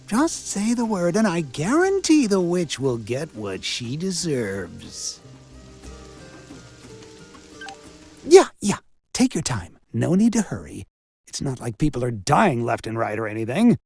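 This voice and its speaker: Game role: sardonic village doctor, theatrical wisecracker, extremely varied pitch, music underneath. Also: male voice, wildly swooping pitch, measured pace, creaky, a little mellow, husky, full character voice. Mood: scornful. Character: sarcastic village doctor and coroner, self-styled man of science. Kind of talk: video game character acting.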